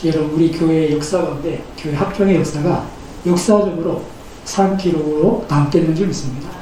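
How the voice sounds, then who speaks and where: Pastor, man, 50s, earnest sermon; high voice, heavy church reverb. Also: brisk, dark tone. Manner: earnest preaching with rising emphasis. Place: church sanctuary. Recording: echoey church hall, mic at a distance, faint noise.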